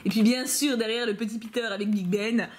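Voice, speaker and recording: Gushing, excitable young woman, high-pitched. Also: fairly quick, a little hiss or hum. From France. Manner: gushing and excitable, stammering repeats; playful teasing asides. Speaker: YouTuber opening fan mail. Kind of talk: casual unboxing vlog, talking to viewers.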